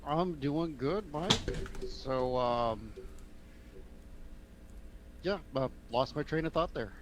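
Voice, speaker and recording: A man co-hosting a casual sports podcast, relaxed and halting, with lots of fillers. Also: mid-range voice, background noise. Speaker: podcast co-host.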